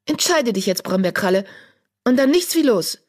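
A narrator voicing Eichhornpfote, a bold young female apprentice cat in an audiobook, speaking high and urgently. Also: lively intonation, moderate pace, a little mellow, close to an everyday voice.

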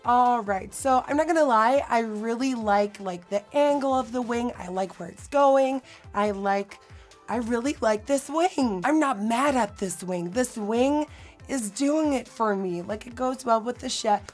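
Hoarse, bubbly woman vlogging makeup. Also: a little high, measured pace, faint music behind. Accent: Dutch. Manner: bubbly, dramatic, self-mocking. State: hoarse from illness. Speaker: beauty vlogger. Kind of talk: makeup tutorial vlog. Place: indoor studio set.

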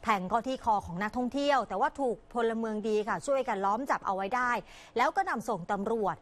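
A woman news reporter narrating a crime story in a brisk, polite news delivery. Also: fairly high pitch.

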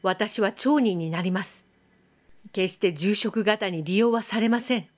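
A woman voicing a resolute, earnest young samurai in an audiobook, speaking firmly and plainly in a slightly lowered voice. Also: unhurried, natural voice. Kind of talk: audiobook reading.

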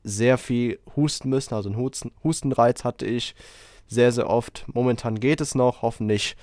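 A man hosting a casual podcast while he has a cold, talking in a rambling, relaxed way with lots of fillers. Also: medium pitch, moderate pace, no room sound, clean studio sound. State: has a cold, hoarse throat. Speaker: podcast host.

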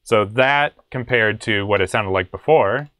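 Slow and unhurried, a young adult man with a lowish, slightly bright voice hosts a laid-back music production tutorial via screen share. He talks conversationally from a small home studio room, with slight background noise audible.

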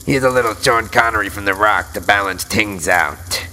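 A man's voice: lowish voice, moderate pace, pushed and bright, a little hiss or hum. A man making wry comedic asides in a sketch. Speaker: comedy co-host.

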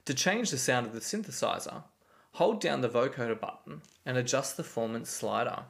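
A man's voice: medium pitch, big pitch swings, normal speed, creaky. A man giving scripted, step-by-step instructional narration as a tutorial instructor.

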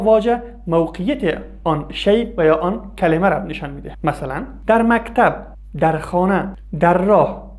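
A man's voice: high voice, darkish tone. A man from Afghanistan, a native Dari speaker, hosting a scripted language lesson and explaining patiently, asking questions and answering them himself. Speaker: language teacher and host.

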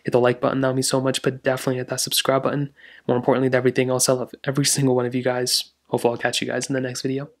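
A man's voice: medium pitch, monotone, very fast. A man hosting a casual tech how-to voiceover, rambling along with repetitive phrasing. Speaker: tech tutorial host.

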